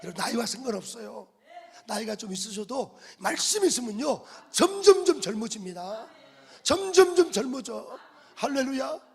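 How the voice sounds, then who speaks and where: Husky high-pitched preaching pastor, man. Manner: animated preaching with sudden loud bursts and call-and-response. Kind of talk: sermon.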